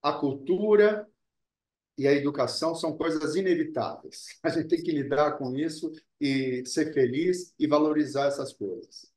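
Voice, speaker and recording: A man being interviewed as an actor, talking earnestly and deliberately, often repeating words as he searches for them, and Italian was his first language. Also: fairly high pitch, a little mellow, reverberant. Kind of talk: reflective interview talk.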